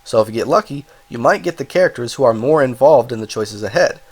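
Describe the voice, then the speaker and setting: A man's voice: mid-range voice, animated, fast, slightly rough. Stuffed-up man reviewing a game. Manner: rambling, self-correcting, apologetic asides. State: stuffed up from a cold. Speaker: game reviewer, channel host. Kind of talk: casual spoken game review.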